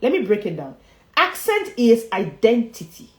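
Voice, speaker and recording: A woman leads a motivational speaking lesson with emphatic repetition and frequent chuckles. Her pitch rises and falls in a lively way as she pushes each point. The sound carries a noticeable room echo. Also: moderate pace. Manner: emphatic, repeats key phrases, chuckles often. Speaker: public speaking coach. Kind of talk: motivational livestream teaching. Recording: roomy echo.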